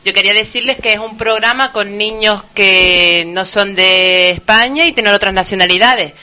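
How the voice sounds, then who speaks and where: A woman's voice: medium pitch, normal speed, pushed and bright. A woman hosting a local radio show, coaxing children to speak and prompting them with questions. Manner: coaxing, keeps prompting with "a ver". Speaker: radio host interviewing children.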